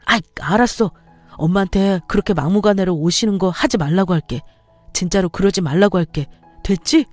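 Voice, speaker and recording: A woman's voice: medium pitch, a little fast, dry recording, faint music behind, close to an everyday voice. A woman voicing a defensive young husband who talks in an exasperated, raised voice. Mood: grudging. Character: defensive young husband, whiny mama's boy.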